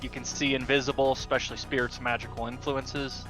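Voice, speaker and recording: Bright-voiced male tabletop player. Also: medium pitch, flat delivery, brisk, low-quality recording. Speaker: player in tabletop game podcast. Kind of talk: casual game chat. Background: background music.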